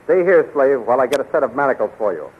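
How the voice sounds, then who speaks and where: A man plays a gruff palace guard in a 1930s radio serial, curt and commanding. His pitch is medium. The recording is narrow and phone-like, with noise behind it. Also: lively intonation, fast, natural voice. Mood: stern.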